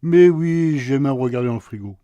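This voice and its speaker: A man's voice: medium pitch, moderate pace, warm tone, clean tone, no echo, close to an everyday voice. An actor playing a sleepy, teasing husband in a radio play, answering his wife with dry sarcasm. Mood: grumpy, teasing. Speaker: husband woken at night.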